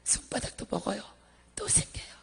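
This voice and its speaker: A woman's voice: moderate pace, whispered, long reverb tail. A woman giving a religious testimony, telling her vision in a vivid, emotional way. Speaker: church testimony speaker.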